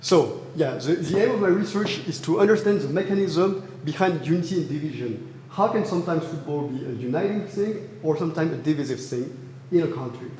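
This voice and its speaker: A man's voice: fairly high pitch, animated, a little fast, darkish tone, slight background noise. A young man from France with a French accent, giving an academic thesis presentation in an earnest way with frequent fillers and restarts. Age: young adult. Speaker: student presenter. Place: echoey university hall. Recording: roomy hall reverb, faint ambience.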